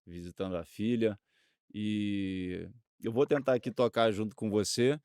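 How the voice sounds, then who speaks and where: A Brazilian man chats as a co-host in a fairly low voice. He is modest and deferential, feeling his way through phrases with some hesitation. The sound is dry, with little room to it. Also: unhurried, a little mellow, clear, resonant tone, no room sound. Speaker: stand-in co-host. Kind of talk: casual conversational chat.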